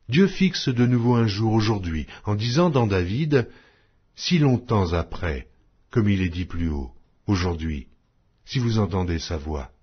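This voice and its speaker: A man reads scripture in a solemn, declamatory audiobook style. His voice is somewhat low and husky, rising and falling with lively intonation. The delivery is measured and formal. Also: lo-fi sound. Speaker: Bible narrator.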